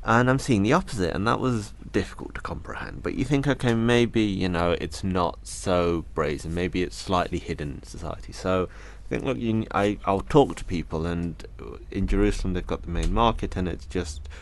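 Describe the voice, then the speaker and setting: Male interview guest, very low voice, earnest and reflective in his telling. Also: normal speed, few pauses, slight background noise. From Britain. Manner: earnest, thoughtful, retells conversations in detail. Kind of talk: reflective personal account.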